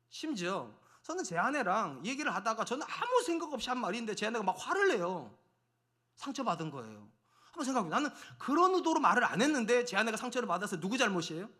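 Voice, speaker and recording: A middle-aged male pastor preaching a sermon in a church, talking directly to the congregation and acting out everyday arguments with his wife. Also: very high voice. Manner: animated, acts out quarrels with his wife. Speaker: senior pastor. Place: church sanctuary.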